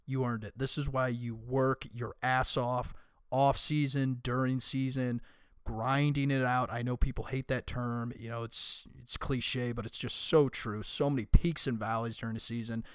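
A young man hosting a casual solo podcast, his voice raspy and hoarse, talking in an opinionated, emphatic way. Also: medium pitch, level tone, normal speed, a bit bright, no echo, studio quality. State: hoarse from screaming and illness. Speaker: podcast host.

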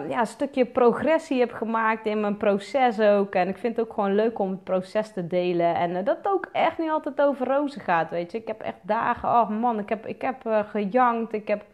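A woman with a Brabant accent, a business coach chatting casually on a livestream, full of fillers and casual swearing. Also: on the high side. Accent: Brabant Dutch. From Netherlands, North Brabant. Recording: slightly dull lo-fi sound.

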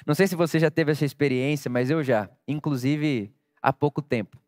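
A man preaching a sermon with a personal story, speaking intimately and dropping soft in prayer. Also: on the high side, brisk, no echo, studio quality. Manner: intimate, drops to soft near-whisper in prayer, rises when animated. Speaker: pastor.

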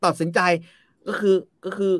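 A man doing a scheming, sharp-tongued royal wife. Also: very slow, dry recording, studio quality. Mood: taunting.

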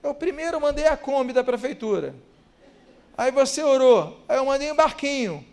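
A man's voice: extremely high pitch, expressive, moderate pace, darkish tone. A man voicing God, who patiently lists the help he already sent.

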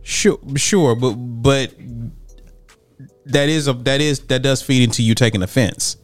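A man's voice: mid-range voice, steady tone, a little slow, dry recording, faint music behind. A man with an African American accent co-hosting a casual debate, often questioning back and challenging. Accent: African American English. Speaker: podcast co-host.

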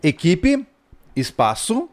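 A man's voice: sits high, huge pitch swings, takes it slowly. A man with a Brazilian accent, joking and slangy in casual live stream banter as a host.

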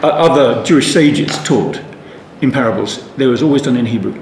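A man's voice: mid-range voice, normal speed, darkish tone. Man, Bible study teacher, thoughtful and meandering, mid-range voice, roomy echo. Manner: rambling, thoughtful, frequent restarts and asides. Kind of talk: unscripted Bible study talk. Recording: echoey room with faint ambient noise.

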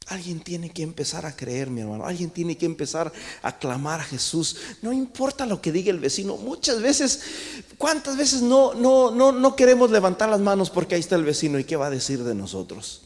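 A man preaching a sermon to his congregation in a church, impassioned, swinging between loud calls and hushed asides. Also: sits high, animated, a little fast. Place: church sanctuary. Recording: long church reverb.

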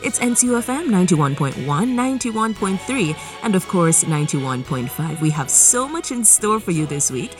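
A woman's voice: fairly low pitch, sing-song, normal speed, hardly any pauses, far from the mic, over music. A woman hosting a radio interview in a studio, upbeat and chatty, often affirming her guest. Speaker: radio show host.

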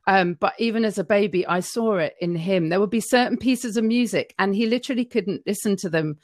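A woman's voice: mid-range voice, fairly quick, a little mellow. A woman hosting a podcast interview, encouraging and affirming her guest with frequent yeahs. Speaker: podcast host. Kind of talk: casual interview chat.

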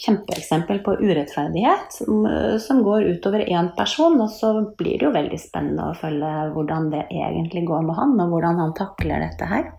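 A woman, a children's book author, chats in a lively way about her books and reads from them. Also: fairly low pitch, vocal fry, few pauses. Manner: lively, chatty, with little laughs. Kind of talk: presenting and reading her books. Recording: echoey room.

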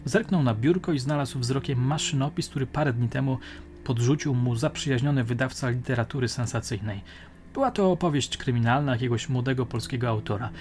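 A man narrating a crime audiobook in a measured, dramatic storytelling manner. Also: medium pitch, darkish tone, a little hiss or hum. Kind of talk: audiobook reading.

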